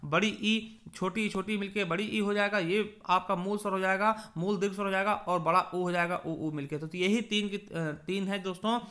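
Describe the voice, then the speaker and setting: A man's voice: high-pitched, steady tone, pushed and bright. A young man from eastern Uttar Pradesh teaching an exam-prep grammar lesson. He asks and answers his own questions, repeats key points and draws out sounds as examples. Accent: Hindi from eastern Uttar Pradesh. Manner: addresses listeners as friends, drawn-out examples.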